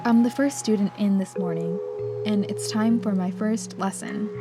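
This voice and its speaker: Woman narrating a calm travel vlog. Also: medium pitch, moderate pace. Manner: calm, reflective storytelling. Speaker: vlogger and pottery student. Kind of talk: scripted voice-over narration. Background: background music.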